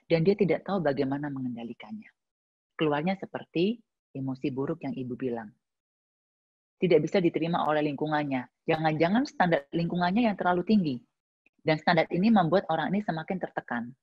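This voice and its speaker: A woman's voice: deep voice, slightly rough, muffled recording. A woman giving a casual, reflective talk, answering a listener's question with plenty of everyday examples. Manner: conversational, uses many examples and fillers.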